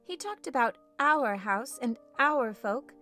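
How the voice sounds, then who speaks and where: A haughty, spoiled young girl in a storybook, played by a woman reader. Her voice is high and very animated. She is demanding and petulant, quick to take offence and grow upset. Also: soft background music, exaggerated voice. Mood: pert, questioning. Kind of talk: audiobook character voice.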